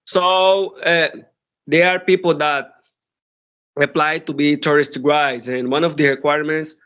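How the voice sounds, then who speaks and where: Friendly Angolan man, higher voice. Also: steady tone, unhurried, fairly bright tone, dull audio. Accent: Angolan Portuguese. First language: Portuguese. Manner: friendly, thoughtful, laughs often. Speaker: conversation partner. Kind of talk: casual chat.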